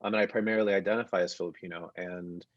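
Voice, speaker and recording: A man around thirty, an actor speaking reflectively as a panel guest, in a halting, thoughtful way that often restarts. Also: low voice, fairly even intonation, dry recording. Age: 30s. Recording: muffled, dull online-call audio.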